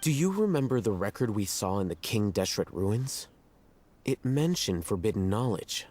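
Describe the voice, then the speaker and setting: A man playing an arrogant, cool-headed scholar in a fantasy video game, speaking in a measured, formal, condescending way. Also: lowish voice, very animated, dark tone, slight background noise. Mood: coolly analytical. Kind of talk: scripted video game dialogue.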